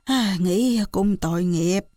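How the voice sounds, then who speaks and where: A woman voicing an old villager who recounts local news hesitantly, full of drawn-out fillers. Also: mid-range voice, dark tone, dry recording, clean studio sound, lightly acted. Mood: gossipy. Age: older.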